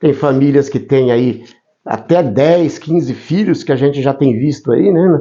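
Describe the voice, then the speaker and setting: An unremarkable speaking voice from a man, fairly high in pitch with ordinary variation, at a fairly slow pace. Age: 60s. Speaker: preacher. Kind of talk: sermon. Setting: recorded video for online viewers. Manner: informal, conversational.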